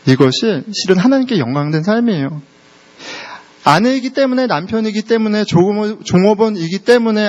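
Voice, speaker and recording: A middle-aged male pastor gives a chatty sermon in a church, and his fairly high voice carries a long reverb from the hall. He slips English words in and acts out small family exchanges as he goes. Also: muffled recording. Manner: conversational preaching that mixes English words into Korean, acts out family dialogue. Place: church sanctuary.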